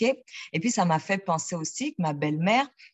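At a moderate pace, a woman talks in a plain, everyday voice with a fairly low pitch. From Burkina Faso. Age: 40s. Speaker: auditor and mother. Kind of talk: interview.

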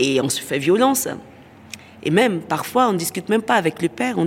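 A woman talks with very wide pitch swings. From Côte d'Ivoire, Abidjan (Yopougon). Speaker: comic book author. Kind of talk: interview storytelling. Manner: halting, many repetitions and fillers.

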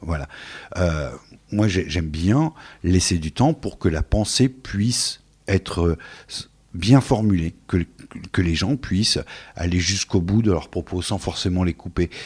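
Captured in a very clean recording with a silent background and a dry, close sound with no echo, the somewhat breathy voice moves at a very slow pace with ordinary pitch variation and long, frequent pauses. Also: man, very deep, low pitch for a man. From northern France (Douai area). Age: 50s. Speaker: community radio journalist. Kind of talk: casual interview. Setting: radio studio.

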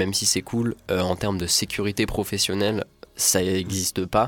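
A man speaks in a plain, everyday voice at a fairly slow pace. His pitch is fairly low. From France. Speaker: student and guitarist. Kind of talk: casual chat.

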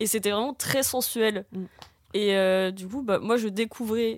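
On a very clean recording with a silent background, a woman speaks fairly slowly at a medium pitch with fairly even intonation. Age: 20s. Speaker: makeup artist trainee, podcast guest. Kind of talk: casual chat. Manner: halting.

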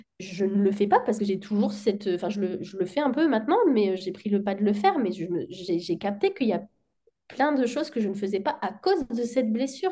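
Speaking at a moderate pace, a woman uses a medium pitch and ordinary pitch variation in a somewhat breathy voice. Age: 30s. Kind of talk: casual chat. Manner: halting.

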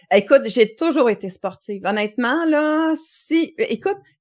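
Speaking at a moderate pace with very wide pitch swings, the voice comes through a very clean recording with a silent background. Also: woman. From Quebec, Joliette region. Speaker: life coach. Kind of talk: casual interview.

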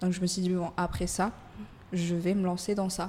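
Somewhat breathy, a woman with fairly low pitch speaks at a fairly slow pace in a monotone, flat intonation. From Comoros (Anjouan). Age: 20s. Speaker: coworking support officer. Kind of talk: interview testimony. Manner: hesitant, with frequent fillers.

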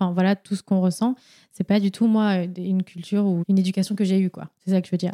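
The sound is dry and close with no echo, and the recording is very clean with a silent background. A woman speaks at a medium pitch. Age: 20s. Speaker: social entrepreneur. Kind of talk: interview. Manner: hesitant, many fillers.

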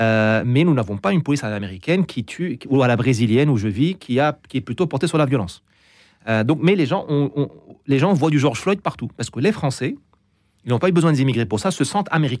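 A man with a medium-pitched voice talks at a fairly quick pace with lively intonation. The recording is very clean, with a silent background. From Morocco. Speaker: author and lecturer on international relations. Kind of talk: radio interview. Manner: halting, with many repeated words.

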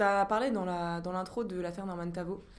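With audible room echo around her, a woman talks at a fairly quick pace in a flat, monotone delivery. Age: 20s. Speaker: podcast guest sharing testimony. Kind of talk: testimony. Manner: hesitant with fillers.

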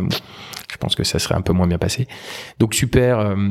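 An ordinary speaking voice from a man, fairly low in pitch, with ordinary pitch variation and a moderate pace. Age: 40s. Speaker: startup executive. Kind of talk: casual chat.

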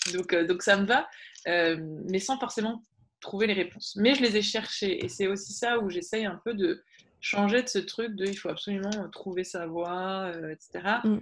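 A fairly slow delivery, recorded very cleanly against a silent background. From France, Paris suburbs. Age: 20s. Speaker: coach and public speaker. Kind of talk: interview. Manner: animated.

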